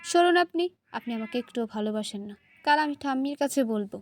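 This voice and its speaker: A woman's voice: on the high side, fast, darkish tone, close to an everyday voice. A woman voicing a childlike, sulky young wife who pouts and sulks playfully in a read-aloud story. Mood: pouting. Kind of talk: storybook reading.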